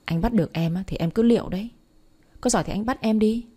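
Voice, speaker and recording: A woman's voice: medium pitch, fast, dark tone, husky, pitched above the performer's own voice, natural voice. A woman voicing a spirited, feisty teenage girl. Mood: teasing.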